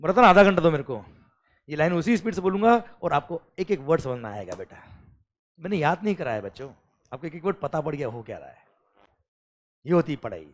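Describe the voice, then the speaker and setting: A male teacher gives a lecture with a slightly higher pitch than most men. He coaxes his students, keeps checking that they follow, and slows to a careful word-by-word pace when he reads legal text. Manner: animated, coaxing, mixes English phrases, calls students beta.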